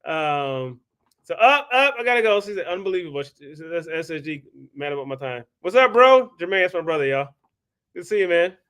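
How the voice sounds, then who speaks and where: A man's voice: on the high side, a bit bright, clear, resonant tone. A man, casually hosting a live stream, talking loosely and greeting viewers by name. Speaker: host.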